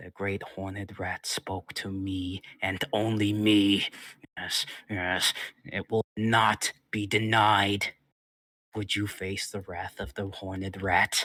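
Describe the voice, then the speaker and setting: Growling in a put-on character voice, a man speaks at a very slow pace and a fairly low pitch. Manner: irritated, imperious.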